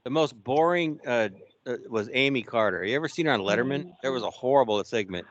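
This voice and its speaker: A man's voice: medium pitch, lively intonation, quick pace, dull audio, slight background noise. A man chatting casually, rambling and losing his thread mid-sentence. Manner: rambling, trails off mid-thought. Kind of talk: casual chat.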